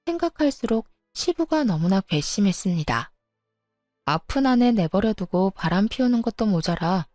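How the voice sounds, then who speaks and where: A woman narrating her own dramatized story, with sharp and indignant retorts. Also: mid-range voice, no room sound, studio quality.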